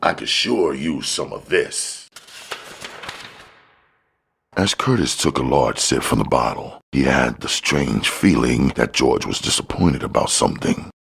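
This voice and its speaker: A man's voice: a bass voice, gravelly, breathy edge. A man reading crime fiction aloud as scripted audiobook narration.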